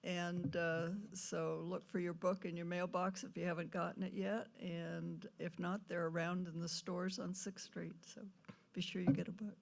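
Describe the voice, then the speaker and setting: A woman's voice: fairly low pitch, little pitch movement, moderate pace, vocal fry. A woman giving a chatty, informal community announcement at a public meeting.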